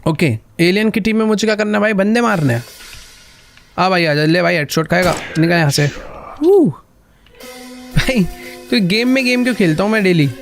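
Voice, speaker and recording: A man giving chatty, excitable commentary while playing a game, constantly talking to his viewers. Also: sits high, moderate pace, pauses often, soft background music. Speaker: gaming channel host. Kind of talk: live gameplay commentary.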